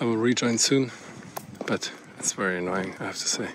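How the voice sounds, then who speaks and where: Noticeable noise sits in the background. The talking keeps a moderate pace. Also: man. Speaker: travel vlogger and pilgrim. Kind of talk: vlog narration while walking. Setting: outdoors on a trail at night.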